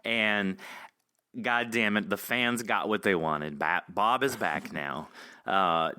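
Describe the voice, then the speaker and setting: A man hosting a podcast, chatting excitedly with actors, swearing casually and laughing often. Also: on the low side, slow, clean tone, no room sound, clean studio sound. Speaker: podcast host interviewing actors.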